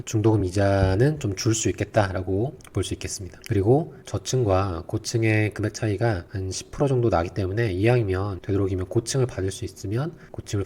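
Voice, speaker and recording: Brief: male channel host with a cold, husky and low, talks viewers through the numbers. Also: mellow. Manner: walks viewers through figures step by step, giving advice. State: has a cold, strained throat. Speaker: real estate subscription advisor and channel host. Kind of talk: explanatory video lecture.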